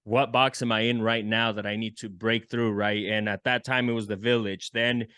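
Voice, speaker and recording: A man from El Salvador, a musician and entrepreneur, telling his story in a relaxed, friendly way as a podcast guest. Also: fairly low pitch, moderate pace, smooth, no room sound, clean studio sound. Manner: relaxed, friendly, with frequent fillers. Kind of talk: casual interview storytelling.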